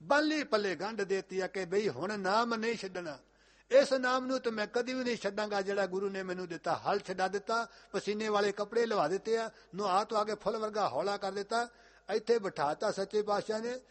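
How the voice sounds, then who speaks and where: Male katha preacher, high-pitched, emphatic and repetitive, chants scripture. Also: a little fast, fairly bright tone. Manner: emphatic, repeating lines with rising force. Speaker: Sikh preacher.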